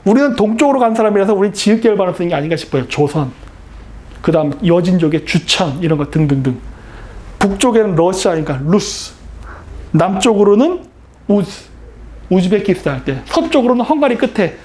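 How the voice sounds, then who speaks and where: A man's voice: high-pitched, expressive, a little fast, darkish tone. A man giving a history lecture, explaining with emphasis and often asking rhetorical questions he answers himself.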